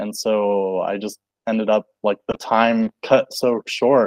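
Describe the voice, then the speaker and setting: Speaking in a monotone with flat intonation, a man with an American accent has a medium pitch. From Washington State, US. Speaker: law graduate and mountaineer. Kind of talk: casual chat. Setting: video call.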